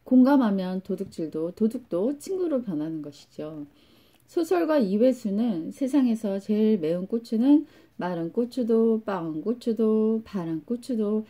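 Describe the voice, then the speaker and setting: A woman who teaches and volunteers, giving an earnest, gentle reflective talk with anecdotes. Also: mid-range voice. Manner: gentle, earnest, acts out quotes.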